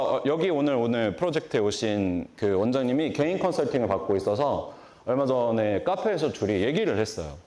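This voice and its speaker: Brief: man, 40s, conference speaker, lively pitch, questions the crowd, acts out little scenes. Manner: animated, asks the audience questions and acts out greetings. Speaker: beauty industry lecturer. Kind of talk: conference keynote talk. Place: large conference hall.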